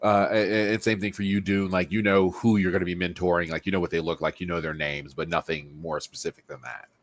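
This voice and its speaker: A very low-pitched man runs a tabletop game, picking his words with frequent pauses and restarts. He narrates the scene for his players over voice chat. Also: flat delivery, dry recording. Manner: hesitant, many fillers and restarts. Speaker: game master.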